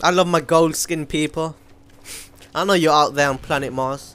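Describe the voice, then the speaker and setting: A man talks with a fairly high pitch. Music is heard behind him. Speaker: gaming YouTuber. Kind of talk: live gameplay commentary. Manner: animated.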